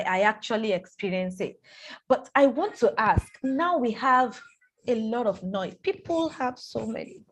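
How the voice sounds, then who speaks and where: A woman hosting a live online talk, speaking warmly and haltingly, often repeating words as she thinks. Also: a little high, breathy edge. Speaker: host.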